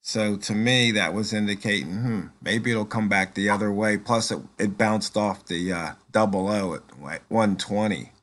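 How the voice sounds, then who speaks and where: A man's voice: fairly low pitch, normal speed, hardly any pauses, fairly bright tone. Man thinking aloud about trades. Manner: thinks aloud with "um" and "uh", uses analogies. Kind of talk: casual chat on a call.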